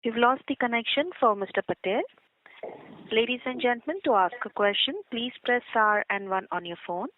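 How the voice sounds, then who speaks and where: A woman's voice: on the high side, normal speed, dry recording. A woman working as a conference call operator, making formal scripted announcements over the phone. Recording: tinny phone conference line.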